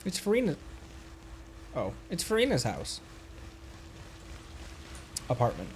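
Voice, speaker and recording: A man's voice: a little high, wildly swooping pitch, slow. A man streaming a video game, chatting casually and rambling as he thinks aloud. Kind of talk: casual livestream gameplay chat. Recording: game music behind the voice. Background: soft game music.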